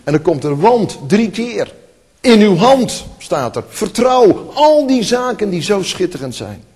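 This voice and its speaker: Husky preacher in a reverberant hall. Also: male voice, high voice, sing-song, measured pace. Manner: swings between hushed tenderness and rising, emphatic calls. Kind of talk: sermon. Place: church.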